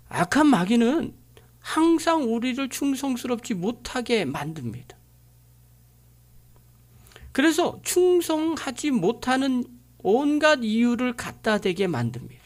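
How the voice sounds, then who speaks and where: A woman's voice: a little high, darkish tone. A woman pastor delivering a sermon, driving her points home with frequent rhetorical questions.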